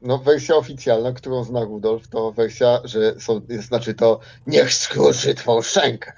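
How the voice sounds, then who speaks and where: A man's voice: mid-range voice, fairly even intonation, measured pace, vocal fry, a little mellow. Man on a dull, lo-fi mic. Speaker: player in a tabletop role-playing game. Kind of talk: casual explanation during a game. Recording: dull lo-fi microphone sound.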